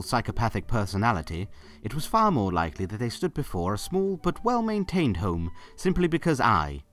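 A man narrating a fan audio drama in a playful storybook style, with wry, jokey asides. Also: fairly low pitch.

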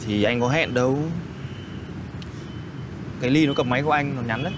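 An actor with a Northern Vietnamese accent playing a stubborn, defensive young boyfriend in a TV drama. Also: male voice, mid-range voice, a little fast, lightly acted. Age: 20s. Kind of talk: screen drama dialogue. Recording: clear street noise behind.

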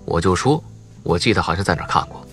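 A man voicing a bossy, gruffly caring police captain who nags bluntly in an audiobook. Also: low voice, animated, fast talker, fairly bright tone, soft background music, voice pushed down. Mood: exasperated concern. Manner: nagging, blunt, exasperated.

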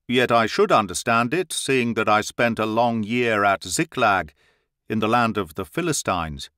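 A blunt barbarian, played by the male reader, speaks firmly, with stress on each word. His pace is slow and steady. The sound is dry and up close. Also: on the low side, no echo. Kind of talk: audiobook reading.

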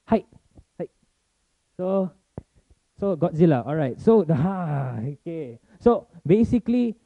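A young man from Malaysia, giving a chatty, informal forum talk in fast bursts. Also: a little high, no room sound. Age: young adult. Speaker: forum speaker. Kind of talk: casual presentation to an audience. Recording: tinny phone-like sound, dry.

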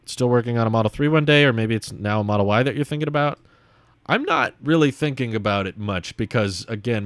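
A young man with a fairly low voice hosts a stream from a small indoor home room set up as a studio. He talks casually and thinks aloud while reading and answering viewer comments into a close desk microphone on a boom arm. The recording is dry.

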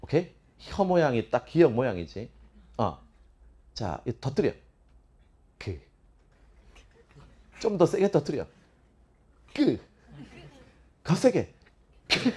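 A man teaching a lively classroom lecture, playfully sounding out speech sounds and firing teasing questions at his students. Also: medium pitch, normal speed, husky. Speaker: Korean language teacher.

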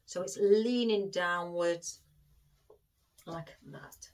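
A woman's voice: on the low side, extremely slow. A woman with a chatty manner, giving a craft tutorial and calling her viewers guys as she talks them through each step. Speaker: florist demonstrating an arrangement.

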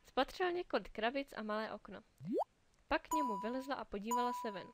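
A woman reading a children's storybook aloud in a clear, lively way, giving the characters small voices of their own. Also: a little high, heavy background noise.

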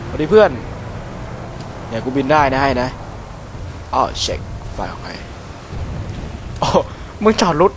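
A man's voice: medium pitch, noisy background. Chatty man commenting on gameplay. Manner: chatty, swears freely, excitable whoops. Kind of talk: casual let's-play commentary.

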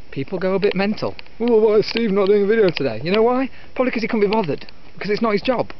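Young man rambling over muffled, noisy outdoor audio. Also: a little high. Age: 20s. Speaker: video show host. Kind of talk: rambling casual vlog chat. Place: outdoors on a walk through countryside. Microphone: handheld camera at arm's length. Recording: muffled outdoor recording with loud ambient noise.

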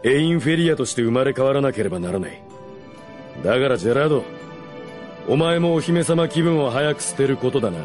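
A man playing a blunt, battle-seasoned mercenary with rough speech in a Japanese fantasy radio drama. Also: medium pitch, animated, brisk, darkish tone, lightly acted. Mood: stern, reflective. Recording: studio drama with music behind.

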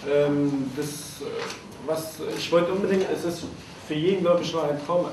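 A man's voice: a little high, fairly even intonation, moderate pace, darkish tone, a little hiss or hum. A man aged twenty-three, a trainee, introducing himself in a rambling, eager way. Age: 20s. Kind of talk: self-introduction. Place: large hall. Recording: very echoey hall from far off.

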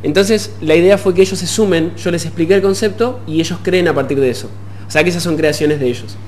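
A young Argentine man with a fairly high voice speaks as an interview guest. He explains things in halting phrases, with faint noise and hum behind him. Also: a little mellow. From Puerto Madryn, Argentina. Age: young adult. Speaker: musician guest. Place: TV studio. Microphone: desk gooseneck microphone.

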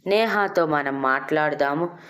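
A woman's voice: sits low, measured pace, a bit bright. A woman voicing an older family woman who firmly reassures a young relative. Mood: reassuring. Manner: firm reassurance.

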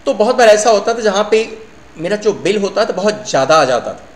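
A middle-aged male English teacher with a high-pitched, expressive voice moves briskly through a vocabulary lesson, explaining word meanings to his students in Hindi and answering his own questions. The room is echoey, with a faint hum.

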